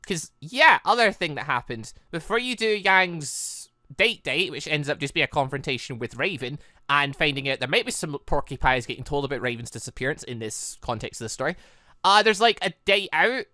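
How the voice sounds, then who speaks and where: A man gives casual commentary for a gaming series in a bright voice recorded very dry. His pitch moves around a lot. He rambles and hesitates, working out his thoughts as he speaks. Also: dry recording. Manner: rambling, hesitant, thinking aloud. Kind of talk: casual let's-play commentary.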